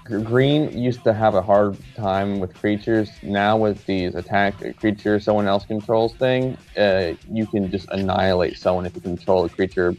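A man's voice: on the low side, steady tone, normal speed, hardly any pauses, darkish tone, muffled recording, soft background music. A man co-hosting a casual podcast, giving enthusiastic and opinionated takes on game cards. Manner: enthusiastic, opinionated card analysis. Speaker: podcast co-host. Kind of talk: casual chat.

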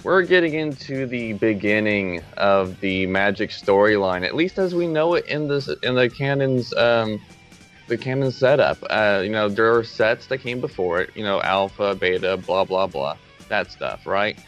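Male co-host, low-pitched, laid-back and offhand, light music bed. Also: animated, normal speed, a bit bright. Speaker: podcast co-host. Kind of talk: casual chat.

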